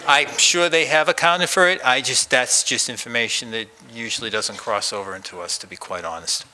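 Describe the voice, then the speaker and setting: A man's voice: medium pitch, a little fast, pushed and bright, a little hiss or hum, rough recording. A man answering questions at a public meeting, easygoing and joking.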